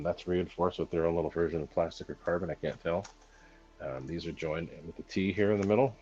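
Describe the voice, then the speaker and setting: A hoarse man chatting casually on a live stream while unboxing, rambling with lots of ums and talking to his viewers. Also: low voice, a little mellow, highs cut off. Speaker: hobby channel host.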